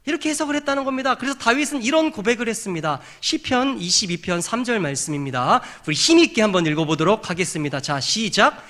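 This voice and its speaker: Middle-aged male pastor, high voice with wide swings, animated sermon in a church. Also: fairly quick, hardly any pauses. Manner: animated preaching that builds to raised emphatic peaks; acts out trumpet blasts and shouts. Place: church sanctuary.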